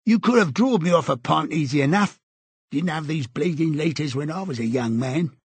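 A cantankerous old man, as a male audiobook reader puts him on. He complains in husky, slangy bursts, his pitch swinging widely and sitting high. The sound is dry and close. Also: expressive, normal speed, no echo. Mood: grumbling. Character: grumbling old male London prole, stubborn. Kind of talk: audiobook character voice.

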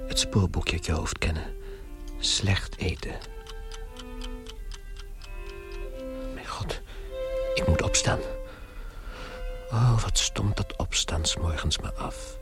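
A man playing a weary travelling salesman turned insect in a radio play, muttering his fretful, self-pitying inner thoughts in a breathy half-whisper. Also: low-pitched, takes it slowly, pauses often, loud music behind the voice. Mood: weary complaint. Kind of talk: radio play interior monologue.

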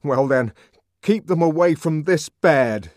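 A man's voice: fairly high pitch, lively intonation, slow, a little mellow, dry recording, clean studio sound, pitched above the performer's own voice. A man voicing an angry young man whose voice trembles with indignation. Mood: indignant.

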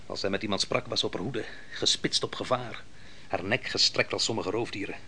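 An actor playing an imperious, impatient ancient army commander in a Dutch radio play, gruff, scornful and curt. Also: male voice, lowish voice, bright, forceful tone, a little hiss or hum. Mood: grave, knowing. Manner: commanding, curt, quick to bark orders.

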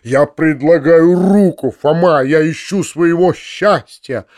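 A man reading an audiobook, voicing an agitated middle-aged landowner who shouts, trembling with emotion. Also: on the high side, slow. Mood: desperate shouting.

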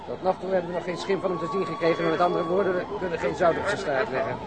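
A man's voice: a little high, steady tone, very fast, close to an everyday voice. An actor playing an outspoken, sarcastic policeman in a radio drama, talking in a colloquial way. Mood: grim, blunt. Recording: loud outdoor crowd and vehicle effects.

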